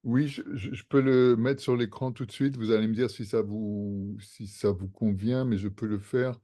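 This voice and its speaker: A man with a mellow, dry-sounding voice speaks haltingly over a video call. He apologizes often and sounds unsure of himself. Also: lowish voice, fairly even intonation, dry recording. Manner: hesitant and apologetic. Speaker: church member handling the screen share.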